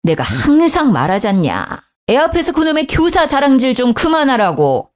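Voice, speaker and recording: A woman voicing a harsh, nagging middle-aged mother-in-law who scolds and shouts. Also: wildly swooping pitch, moderate pace. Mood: scolding. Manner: shrill scolding, shouting, sighing exclamations.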